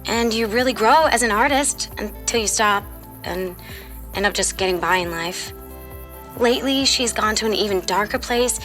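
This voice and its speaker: A woman's voice: mid-range voice, normal speed, fairly bright tone, faint music behind, natural voice. A woman playing a sassy, world-wise fifteen-year-old girl from the future in an audio drama, with casual, sarcastic phrasing. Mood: earnest. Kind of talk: audio fiction drama acting.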